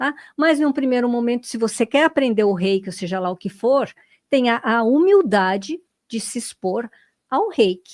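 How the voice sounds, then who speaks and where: Her sound dry and close with no echo, a woman talks at a moderate pace in a high pitch with lively intonation. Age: 60s. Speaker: family constellation therapist and reiki teacher. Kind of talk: interview conversation.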